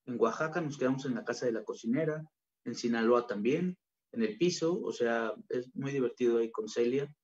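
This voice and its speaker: A man's voice: medium pitch, brisk, a little mellow. A man with a Mexican accent giving an informal, colloquial conference talk on gastronomy research, acting out quoted voices as he goes. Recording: dull lo-fi recording.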